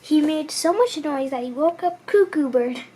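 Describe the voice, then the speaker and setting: A child reading a storybook aloud as host, haltingly, with repeats and self-corrections. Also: high voice, expressive, warm tone.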